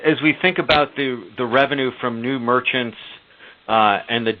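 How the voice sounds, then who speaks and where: A man's voice: medium pitch, moderate pace. A man asking questions as a financial analyst on an earnings call, politely and tentatively rephrasing as he goes. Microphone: telephone. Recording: narrow phone-line sound.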